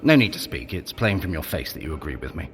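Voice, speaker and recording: A man's voice: rumbling low, very animated, fast, a little hiss or hum. A male actor playing a sardonic, fussy trickster god in an audio drama, with theatrical, scornful, aristocratic delivery. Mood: haughty, mocking. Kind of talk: scripted audio drama dialogue.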